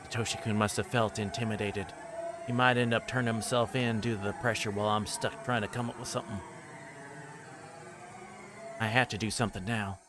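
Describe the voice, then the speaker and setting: A man with a fairly low voice reads a story game aloud for a livestream. He now and then trips on a line and corrects himself. There is clear background noise with chirping insects behind him. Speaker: streamer reading a visual novel aloud. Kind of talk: live read-aloud of a story game, with asides.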